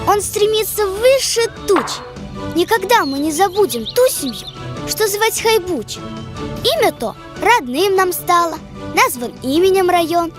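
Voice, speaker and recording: A woman playing a lyrical reciter of children's verse in a cartoon, with a measured, declamatory delivery. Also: extremely high pitch, expressive, over music. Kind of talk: poetry recitation.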